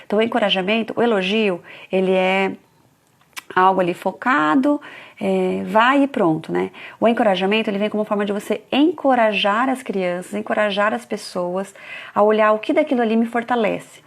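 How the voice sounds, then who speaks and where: A woman's voice: mid-range voice, normal speed, vocal fry. A woman in her thirties giving a live talk on parenting, telling stories about her children and acting out what was said. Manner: storytelling, acting out family dialogue. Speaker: parenting educator.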